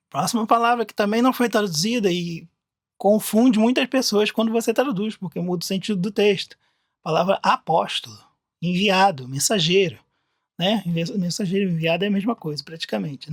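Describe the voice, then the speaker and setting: A Bible teacher with a Brazilian Portuguese accent walks through slides in a recorded lesson, thinking aloud and tossing in frequent "né?" as sentences restart. The voice sits at a middling pitch. The sound is dry and close, with no room echo.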